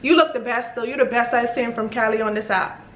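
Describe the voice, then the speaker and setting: A bubbly young vlogger from the Bahamas chats casually on video with strangers, her bright voice pitched fairly high and moving at a quick clip. She's flattering and laughs a lot. The room sounds echoey, with a little background noise.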